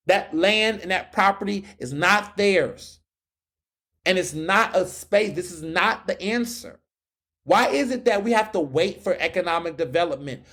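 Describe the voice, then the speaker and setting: Young guy from houston, heated sarcastic rant, high voice that jumps all over. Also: a bit bright. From Houston, Texas. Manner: fiery, sarcastic ranting with rhetorical questions. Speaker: podcast host. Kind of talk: opinion monologue.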